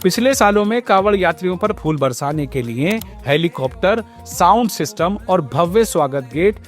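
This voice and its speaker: A man's voice: high voice, lively intonation, moderate pace. A man narrating a scripted news report as a reporter, explaining and posing pointed questions. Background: background music.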